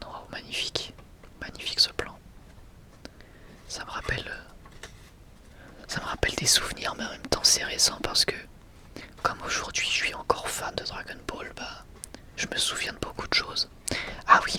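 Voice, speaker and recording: A person whispering softly and breathily in an informal, hesitant, unhurried ASMR showcase. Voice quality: soft, breathy unvoiced whisper. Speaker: ASMR video creator.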